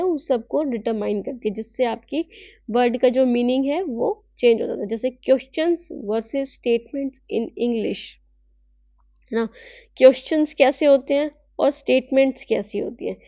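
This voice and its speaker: High-voiced woman teaching an online class. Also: warm tone, dry recording, muffled recording. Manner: explains slowly, reads English lines then explains in Hindi; asks rhetorical questions, tag "है ना".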